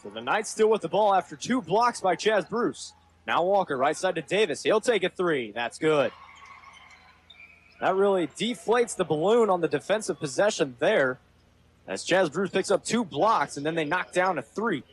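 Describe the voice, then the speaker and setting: A young man calls basketball play by play in a fairly high voice. He follows the action live as a sportscaster, with faint game noise around him. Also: lively intonation, moderate pace. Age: young adult. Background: basketball game ambience.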